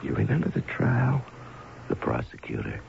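A sinister American convict husband in an old radio thriller, with an extremely low voice that swoops wildly. He taunts slowly and with false tenderness, gravelly and vengeful, on a muffled, noisy broadcast recording. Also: huge pitch swings, full character voice. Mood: sinister, mocking. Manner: slow, taunting, mock-tender delivery. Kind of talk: radio mystery drama acting.

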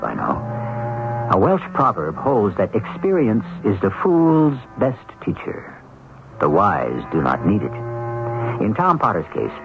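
A man hosting a radio drama, narrating from a script in a deliberate, theatrical manner. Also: on the low side, noisy background. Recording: dull old radio broadcast. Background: loud music.

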